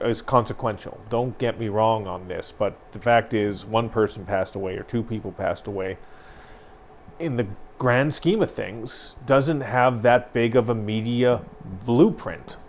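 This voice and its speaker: A man's voice: mid-range voice, measured pace, a little hiss or hum. Earnest man discussing local news. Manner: earnest, emphatic, builds to frustration. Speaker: newspaper editor co-hosting a news talk show. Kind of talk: conversational news commentary.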